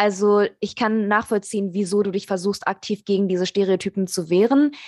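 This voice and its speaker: A woman uses a normal speaking voice at a fairly high pitch and moderate pace, with a dry, close sound and no echo. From Germany. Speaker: podcast host. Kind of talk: interview.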